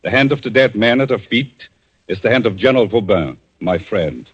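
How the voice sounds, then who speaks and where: A calm, vengeful avenger. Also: male voice, on the low side, fairly quick, breathy edge. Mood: accusing. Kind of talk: 1940s radio acting. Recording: dull old radio broadcast with faint music.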